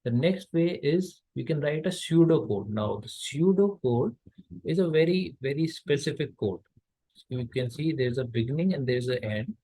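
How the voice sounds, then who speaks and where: A man's voice: a little high, lively intonation, normal speed, mellow, breathy edge, no room sound. A man from India giving a recorded college lecture, explaining step by step with frequent fillers and restarts.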